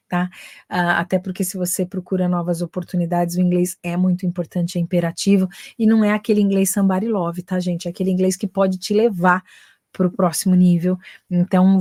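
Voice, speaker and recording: A woman's voice: fairly low pitch, warm tone, no room sound, clean studio sound. A woman from Brazil with a Brazilian Portuguese accent, giving a casual live-stream English lesson, chatty and dropping English phrases into her talk. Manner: chatty, tags sentences with "né" and mixes in English phrases. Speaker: English teacher.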